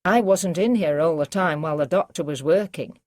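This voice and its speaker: A woman voicing a calm, cautious male doctor in an audiobook, speaking in a measured way. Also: low voice, no room sound, clean studio sound, close to an everyday voice. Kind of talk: audiobook character reading.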